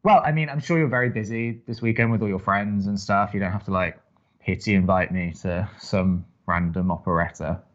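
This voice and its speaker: A man acting as a young college radio co-host, dry, skeptical and sarcastic, with halting delivery in an audio drama. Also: lowish voice, a bit bright, lo-fi sound, close to an everyday voice. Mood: defensive, sarcastic. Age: young adult. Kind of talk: naturalistic audio drama banter.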